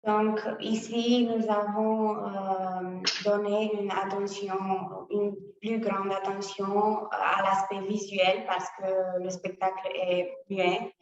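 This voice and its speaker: A woman gives careful, halting answers in French, which is not her first language. She talks slowly. She sounds distant, with heavy room echo. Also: medium pitch, little pitch movement, lo-fi sound, slight background noise. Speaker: theatre group representative answering questions.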